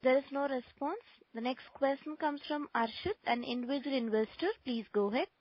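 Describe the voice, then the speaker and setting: A woman's voice: high-pitched, a little fast, no echo. A woman with an Indian accent moderating a conference call as operator, formal and polite. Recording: dry, slightly muffled conference line.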